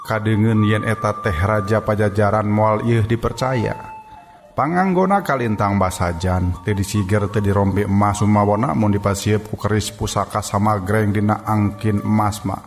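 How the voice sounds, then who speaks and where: A man telling a traditional folk tale with steady, measured narration, recorded with long reverb and background music. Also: on the low side. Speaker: storyteller. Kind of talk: traditional oral storytelling.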